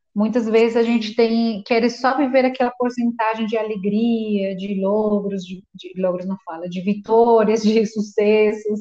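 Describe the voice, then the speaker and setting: With a Colombian accent, a woman speaks at a fairly slow pace with hardly any pauses, her fairly high pitch carrying a dark, mellow tone. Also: fairly even intonation. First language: Spanish (speaking Portuguese). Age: 30s. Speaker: psychologist. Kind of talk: casual interview.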